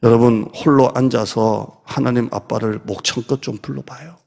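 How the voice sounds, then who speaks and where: A middle-aged man from South Korea preaching a Sunday sermon in a conversational way, sometimes dropping to soft near-whispers. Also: medium pitch, fairly even intonation, normal speed, creaky. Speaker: pastor. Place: church sanctuary. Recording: long church reverb.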